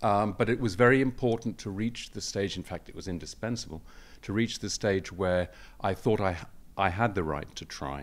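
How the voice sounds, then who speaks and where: A man in a British accent at a moderate pace, with ordinary pitch variation and big swings in loudness. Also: fairly low pitch for a man. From Britain. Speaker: historian and prize-winning author. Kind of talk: panel discussion. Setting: stage with audience. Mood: reflective, thoughtful. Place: hall. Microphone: handheld.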